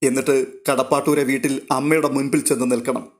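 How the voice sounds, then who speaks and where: A man narrating a novel aloud in a steady, literary storytelling manner. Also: mid-range voice, fairly quick.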